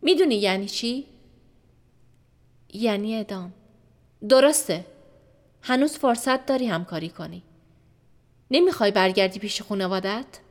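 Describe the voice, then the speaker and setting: A woman voicing a spiteful, bad-tempered prison interrogator who talks in a harsh, loud and threatening way. She keeps her own mid-range voice. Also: mid-range voice, close to an everyday voice.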